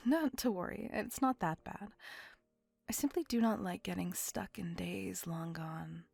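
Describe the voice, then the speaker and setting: A woman voicing a possessive, doting, centuries-old female vampire in an ASMR roleplay, whispering softly with formal, old-fashioned phrasing. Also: lowish voice, measured pace, vocal fry, slightly rough, dry recording, soft background music, heavily acted. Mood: wistful. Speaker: voice actor.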